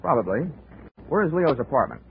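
A man's voice: mid-range voice, sing-song, a little fast, a little hiss or hum. A man playing a tough, wisecracking investigator in a 1940s radio drama, narrating in a wry, clipped, hard-boiled way. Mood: dry, sardonic. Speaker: lead actor and narrator of a radio detective drama. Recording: tinny 1940s radio recording, music behind.

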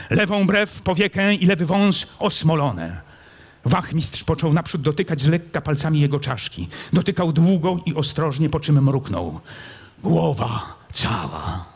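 A male actor giving an expressive live reading of classic prose at an outdoor public event, moving between slow, low passages and loud, urgent ones. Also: breathy edge. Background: live music accompaniment.

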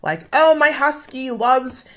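A woman in her thirties from Canada speaks slowly in a high-pitched voice with lively intonation. She's filming a casual grocery haul vlog at home in a small living room, camera at arm's length, and chats emphatically with strong opinions.

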